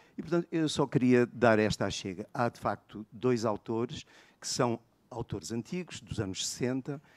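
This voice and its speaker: A man's pitch moves in an ordinary way as he talks fairly slowly. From southern Angola. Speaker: reader and moderator; reader, moderator. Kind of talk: moderation and comments at book launch. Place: hall.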